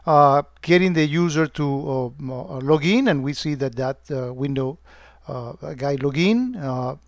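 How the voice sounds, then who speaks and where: Man narrating a screen demo, halting. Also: a little high, dry recording. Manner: hesitant, many fillers and restarts. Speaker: security software presenter. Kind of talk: screen-recorded software demo.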